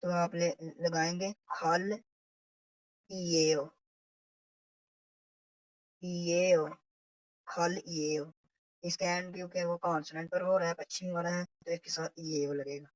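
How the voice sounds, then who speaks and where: A woman's voice: fairly low pitch, little pitch movement, slow, long pauses, no room sound, rough recording. A woman, teaching a recorded language lesson from a textbook. She explains step by step and repeats the example phrases.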